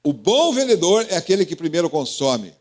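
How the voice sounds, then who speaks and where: A man's voice: on the high side, big pitch swings, a little fast, a little mellow. A Brazilian man preaching as pastor, calling on congregation members by name with questions and teasing. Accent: Brazilian Portuguese. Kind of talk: interactive sermon.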